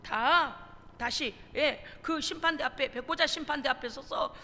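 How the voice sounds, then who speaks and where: A woman's voice: high-pitched, unhurried, pushed and bright. A woman pastor preaching a sermon in a church, earnest and full of rhetorical questions. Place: church sanctuary. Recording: reverberant church hall, faint noise.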